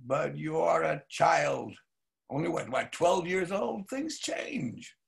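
A worldly older-brother nobleman, acted by an older man in a stage play. The voice is very raspy and creaky, a bit high-set, teasing and paternal. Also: animated, takes it slowly, full character voice. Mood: wry concern. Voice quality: gravelly, husky. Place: home study, video call.

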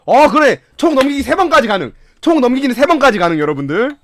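A man streaming a game, playing in casual commentary, excitable, mumbling to himself one moment and shouting and laughing the next. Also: very high-pitched, quick pace, dry recording, studio quality. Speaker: gaming streamer.

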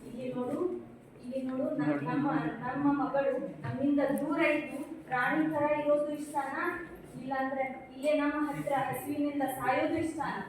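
A woman's voice: high voice, little pitch movement, normal speed, close to an everyday voice. A young woman playing a stern, starving poor father. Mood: grim. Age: young adult. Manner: firm, scolding, raises voice. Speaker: college student actor. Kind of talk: stage drama acting. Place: college stage hall. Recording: echoey hall from far off, noisy.

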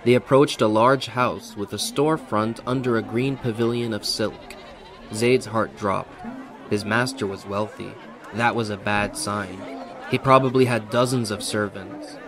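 A man narrating a historical audio drama in a measured, scripted way. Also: lowish voice, fairly even intonation, a crowd in the background.

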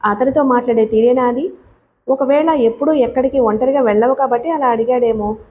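A woman's voice: fairly high pitch, brisk, darkish tone, slight background noise, close to an everyday voice. A woman reading an audiobook voices a stern, worried, ailing older mother who scolds her daughter. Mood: scolding. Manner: scolding, sighing.

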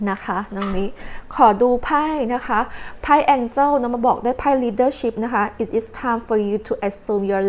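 A woman's voice: fairly high pitch, a little hiss or hum. A young adult woman giving a chatty tarot reading. She talks casually and uses polite particles. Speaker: tarot card reader.

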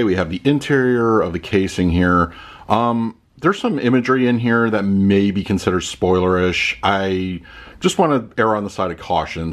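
A man in his thirties reviewing a movie disc at home, chatting loosely and then reading out a written review. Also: deep voice. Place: home room with shelves of discs.

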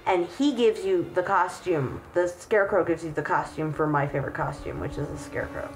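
A woman's voice: lowish voice, a little fast, rough recording. A woman giving casual, occasionally sweary commentary as she plays a video game. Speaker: video game let's player. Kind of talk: casual gameplay commentary chat. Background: video game music.

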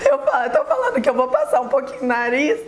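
Hoarse, reedy, high-pitched Brazilian woman. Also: sing-song, fast, background noise. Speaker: beauty vlogger. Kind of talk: casual chatty makeup tutorial. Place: small indoor room.

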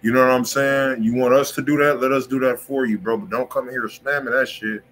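A man with an American accent hosting a livestream, chatting in casual slang and pitching insistently, often repeating himself. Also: fairly even intonation, a little fast, fairly bright tone, rough recording. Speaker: music review stream host. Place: indoor room on a livestream.

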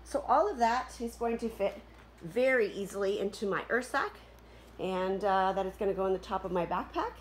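A woman's voice: medium pitch, animated, slight background noise. A middle-aged woman from Canada in a casual camping vlog, chatting with many ums as she lists her gear, filmed on a nearby camera at home. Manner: chatty, many ums and uhs, listing items quickly. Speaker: camping vlogger. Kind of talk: casual show-and-tell vlog. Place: home room with wooden floor, indoors.

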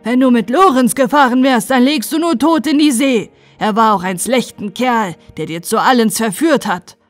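A woman's voice: fairly high pitch, lively intonation, moderate pace, dry recording, soft background music, voice pushed up, natural voice. A woman voicing a grumpy, greedy old male carpenter who talks in broken dialect grammar. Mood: scolding.

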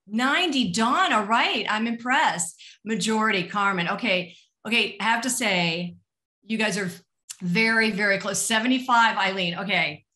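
A woman's voice: fairly high pitch, pushed and bright. A middle-aged woman presenting an online webinar as a career coach, conversational and encouraging, speaking directly to her listeners. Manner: encouraging, addresses listeners directly with rhetorical questions. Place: small indoor room, online webinar. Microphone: video call.

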